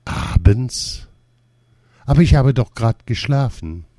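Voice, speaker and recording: A man's voice: mid-range voice, expressive, measured pace, gravelly, mellow, slightly rough, dry recording, studio quality, pitched above the performer's own voice, exaggerated voice. A man voicing a confused, anxious elderly man with dementia who speaks unsure and pleading.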